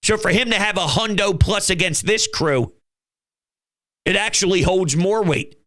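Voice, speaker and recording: A man's voice: high-pitched, a little slow, a bit bright. A man hosting his own fan channel, talking football in an emphatic, fired-up way and swearing now and then. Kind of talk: fan commentary vlog.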